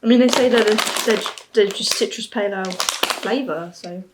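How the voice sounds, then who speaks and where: A woman's voice: medium pitch, moderate pace, heavy background noise. Casual young woman reviewing. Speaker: beer and snack reviewer. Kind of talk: casual review chat to camera. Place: small plain room at home, seated at a table.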